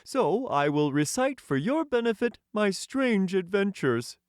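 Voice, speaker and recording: A man's voice: sits high, very animated, unhurried, no room sound, clean studio sound, voice pushed up. A man voicing a proud, courtly tin man emperor who tells stories in formal, grand storybook language, cheerfully pleased with himself. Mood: proud, gracious. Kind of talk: audiobook character voice.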